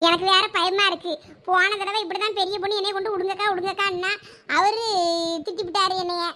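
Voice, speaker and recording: A woman's voice: very high voice, flat delivery, fast talker, sharp tone. A woman voicing a bossy village mother in a cartoon who grumbles and scolds in a Thoothukudi Tamil accent. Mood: grumbling.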